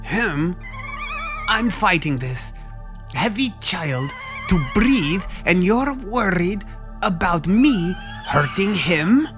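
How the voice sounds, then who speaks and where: A man's voice: sits high, animated, slow, pitched above the performer's own voice. A man voicing a proud, playful young adult alien giant in a boisterous, exclamatory way for an audio story. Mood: playful, strained. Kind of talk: dramatic audio story acting. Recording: loud music under voice. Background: music.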